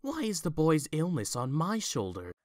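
A man playing a proud, troubled businessman in a fan audio drama, speaking earnestly and haltingly. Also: a little high, huge pitch swings, no room sound, clean studio sound. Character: troubled proud businessman, anxious for his brother.

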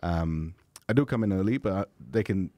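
Frank, low-voiced man from Liverpool. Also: mellow, no echo. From England (Liverpool). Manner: open and frank, halting restarts, laughing at himself. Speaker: startup founder, panel guest. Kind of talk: casual podcast panel chat.

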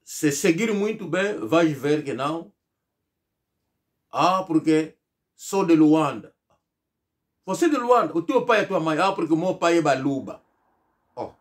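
A man's voice: fairly high pitch, lively intonation, measured pace, long pauses. A middle-aged man from Angola gives an emphatic political commentary to camera, mocking imagined replies in a rhetorical monologue from a small room. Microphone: fixed camera, seated at medium distance.

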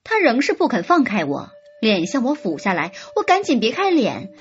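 Woman reading a romance novel aloud, high voice, very lively, kinda muffled, soft music behind. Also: moderate pace. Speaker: audiobook narrator. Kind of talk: first-person romance novel narration. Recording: slightly dull audio with soft music.

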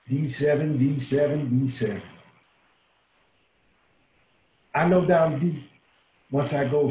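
A man's voice: mid-range voice, warm tone, lightly acted. An actor in his sixties playing a dying, world-weary old bar owner in a folksy, salty, intimate dramatic monologue. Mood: wistful, resolute. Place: small room at home, indoors. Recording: roomy home webcam audio, faint hiss.

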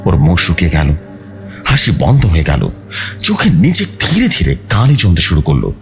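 Low, very animated male horror storyteller. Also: normal speed. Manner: suspenseful, theatrical phrasing. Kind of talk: dramatic first-person horror narration. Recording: music bed behind the voice.

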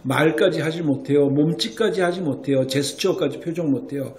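Male doctor, high voice, emphatic explainer to parents, echoey room. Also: moderate pace, darkish tone. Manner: emphatic, keeps asking rhetorical checks like "right?". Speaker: Korean medicine doctor explaining child development.

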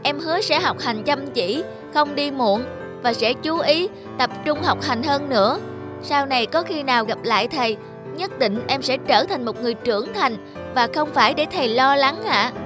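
A woman's voice: sits high, animated, normal speed, over music. A woman voicing an earnest, polite young schoolboy in a cartoon, speaking respectfully and eager to please. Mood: earnest, wistful. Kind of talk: cartoon voice acting.

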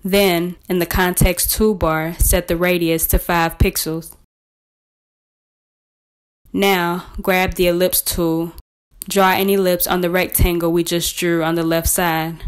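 A woman presenting a scripted step-by-step software tutorial in a measured, instructional way. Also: lowish voice, flat delivery, clear, resonant tone.

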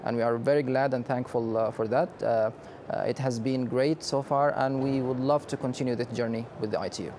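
A man in his thirties from Sudan, a company director answering questions in a conference interview, speaking in a measured way with frequent hesitations. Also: mid-range voice, steady tone, darkish tone, slight background noise. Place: exhibition booth studio set.

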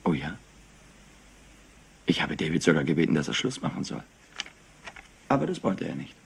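A man playing a clever, scheming young nephew in a German-dubbed crime drama, excitable and theatrical. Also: rumbling low, moderate pace, creaky, husky, full character voice. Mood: quiet, regretful.

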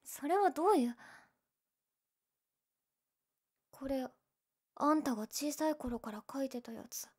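A woman's voice: high voice, animated, normal speed, darkish tone. A young woman playing a teasing, prickly, secretly lovestruck tsundere childhood friend in a romantic audio drama. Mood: embarrassed, tender. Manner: bratty teasing, flustered, emotive.

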